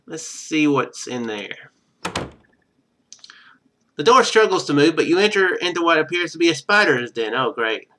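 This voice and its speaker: A man's voice: a little high, expressive, normal speed, long pauses, pushed and bright, slight background noise. A man streaming a game, reading its text aloud and thinking through it in casual commentary. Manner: thinks aloud while playing.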